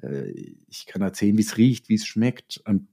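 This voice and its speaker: A middle-aged man with a low, very mellow voice speaks in a conversational interview. He reflects as he goes, often breaking off and rephrasing mid-sentence. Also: expressive, slightly rough. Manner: halting, self-correcting, reflective storytelling. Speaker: interview guest, audio drama writer and author.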